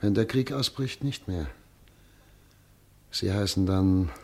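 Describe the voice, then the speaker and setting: A man's voice: deep voice, takes it slowly, a little mellow. A man playing an anguished exiled doctor and family man in a German radio drama, speaking earnestly and insistently. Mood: pleading resolve.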